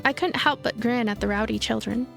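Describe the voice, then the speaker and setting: High-voiced woman over music. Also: a little fast, vocal fry, fairly bright tone. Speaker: let's play streamer. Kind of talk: storybook-like narration of a visual novel with casual asides.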